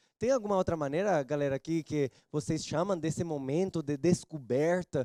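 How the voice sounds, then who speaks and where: With a Mexican accent, a man speaks at a moderate pace in a fairly high, dark, mellow voice, recorded with a dry, close sound, no echo and a quiet background. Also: ordinary pitch variation. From Mexico. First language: Spanish (speaking Portuguese). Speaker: teacher. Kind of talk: TV talk show interview. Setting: TV studio with teen audience. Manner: halting.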